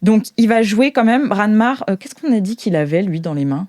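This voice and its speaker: A woman with a French accent improvising narration as game master of a tabletop role-playing game, thinking aloud in halting phrases. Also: mid-range voice, expressive, warm tone, no room sound, studio quality. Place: studio.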